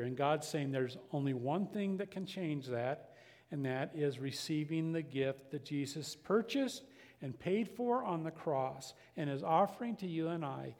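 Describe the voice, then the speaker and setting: Pastor preaching in a reverberant hall. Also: male voice, a little high. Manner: storytelling, with quoted voices and a soft close for prayer. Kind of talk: sermon. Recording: long reverb of a church hall.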